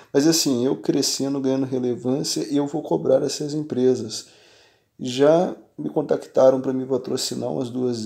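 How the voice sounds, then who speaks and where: A man's voice: mid-range voice, creaky. A man with a Brazilian accent talking casually and emphatically to his channel's viewers, often checking that they follow. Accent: Brazilian Portuguese. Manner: animated, emphatic, keeps asking "entendeu?". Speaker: tech channel host and shopkeeper. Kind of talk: casual direct-to-viewer talk.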